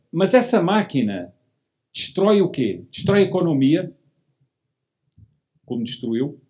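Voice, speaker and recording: A man's voice: a little high, mellow. A middle-aged man giving a formal political speech from a podium in a hall, asking rhetorical questions and repeating words for emphasis. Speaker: lecturer at a monarchist meeting.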